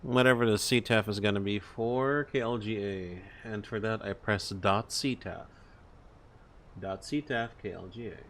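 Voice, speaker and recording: Playing captain in a streamed flight sim, this man thinks aloud about cockpit procedures, his wording tentative and step-by-step. He speaks at normal speed in a fairly bright, low-leaning voice, over cockpit ambience and faint background noise.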